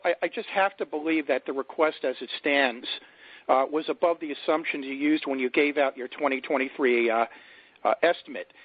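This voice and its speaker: A man, a financial analyst, asking a roundabout, halting question on an earnings call. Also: medium pitch, dry recording. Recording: tinny, dry phone line.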